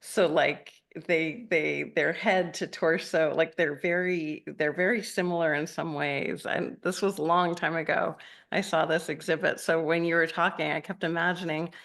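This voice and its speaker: Low, gravelly woman meditation teacher. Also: fairly even intonation, normal speed. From Argentina. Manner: gentle, rambling, laughs often. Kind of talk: casual live-session chat with participants.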